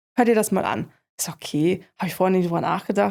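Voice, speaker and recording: A woman speaks at a very fast pace in a dark, mellow tone with vocal fry, on a very clean recording with a silent background. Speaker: sales employee. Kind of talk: interview.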